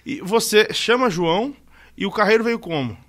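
A man hosting a casual interview, chatty and quick, sharing a personal memory with his guest. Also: high voice, lively intonation, a bit bright. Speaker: podcast host.

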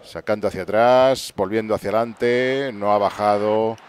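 Excitable gamer man, lowish voice. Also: moderate pace, a little hiss or hum. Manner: excitable, mock sports commentary, bursts of loud cheering. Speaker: gaming channel host. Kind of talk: excited let's-play commentary. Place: home room at night.

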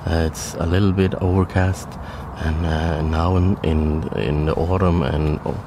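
With a low voice, steady tone, and measured pace, this Norwegian man in his thirties talks over a noisy background. A wildlife photographer, he's vlogging casually from a small forest blind, hesitating with many fillers and restarts and dropping to a hush at times.

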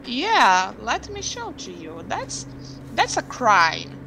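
Speaking slowly in a gravelly, fairly high voice with huge pitch swings, this young language tutor from Brazil, a native Portuguese speaker, leads an online session through a headset. She asks patient, curious questions, and background noise can be heard.

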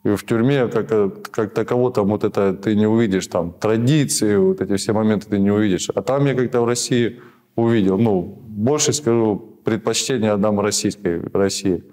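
Man, 30s, interviewee: hesitant, rambling, many restarts, dark low voice, lapel mic in a small office. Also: moderate pace. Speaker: prisoner of war being interviewed. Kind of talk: halting conversational answers.

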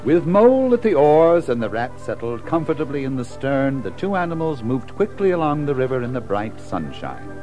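A man's voice: medium pitch, sing-song, moderate pace, hardly any pauses, darkish tone, soft background music, low-quality recording. A man narrating a children's story from a script in a storybook style.

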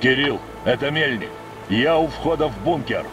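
An actor playing a military colonel speaking over a radio transmission in a video game. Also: male voice, medium pitch, lively intonation, normal speed, music in the background.

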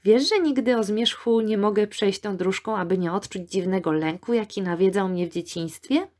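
A woman's voice: medium pitch, moderate pace, a little mellow, lightly acted. A woman voicing a dreamy young woman student. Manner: wistful, enthusiastic.

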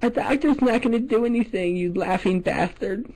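A man putting on a melodramatic, easily offended gay man who makes a prank phone call, his gravelly voice swinging from mumbling and hesitant to shrill and wailing. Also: normal speed, darkish tone. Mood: distraught, indignant. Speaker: prank caller.

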